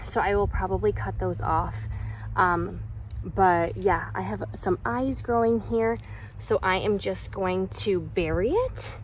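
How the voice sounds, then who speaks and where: A woman's voice: medium pitch, a little hiss or hum, low-quality recording. A woman chatting casually through a gardening vlog outdoors in her backyard, walking around and showing her plants, recorded on a phone, getting out of breath as she works. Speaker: gardening vlogger. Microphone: phone camera.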